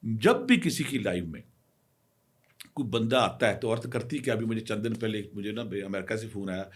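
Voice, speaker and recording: A middle-aged man tells cautionary stories as a spiritual healer. His voice sits fairly low and comes across husky, and he drives his advice home with emphasis, speaking directly to the women watching. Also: lively intonation. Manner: anecdotal, emphatic, speaks straight to women viewers. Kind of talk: storytelling advice talk.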